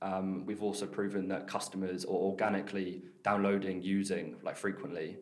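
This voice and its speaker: A man with a British accent talks at a moderate pace in a fairly low, monotone, flat voice, with hardly any pauses. Noticeable background noise and audible room echo come through. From UK. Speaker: startup founder. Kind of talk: interview.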